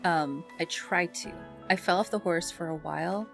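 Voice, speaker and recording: A woman livestreamer chatting casually with viewers in a bubbly, expressive and affectionate way. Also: fairly low pitch, moderate pace, vocal fry. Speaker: live streamer and ASMR content creator. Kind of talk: casual livestream chat with viewers, greeting them and reading messages. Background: background music.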